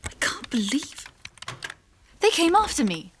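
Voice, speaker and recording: A woman's voice: high voice, sing-song, a little slow, a little hiss or hum. A woman playing an anxious, vulnerable scientist in audio fiction, faltering and pleading. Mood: wary. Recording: music behind the voice.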